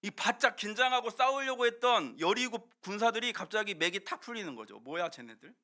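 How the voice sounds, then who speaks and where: A male pastor telling a Bible story in an animated, playful way during a Sunday service, acting out the soldiers and getting the congregation to shout along. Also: high voice, brisk. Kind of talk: lively children's sermon storytelling. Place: church sanctuary.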